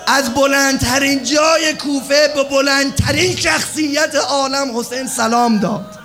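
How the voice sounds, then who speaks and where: A man with a very high voice delivers an impassioned mourning sermon. He rises to shouts, then drops to hushed, low tones. At times he chants prayers very slowly. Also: steady tone, faint music behind. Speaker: mourning preacher.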